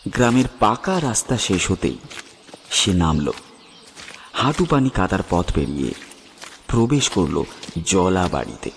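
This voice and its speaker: A man narrating a scripted horror story dramatically, with suspenseful, weighted pauses. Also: low-pitched, sing-song, vocal fry, a little hiss or hum. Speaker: narrator and presenter. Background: music with birds and crickets.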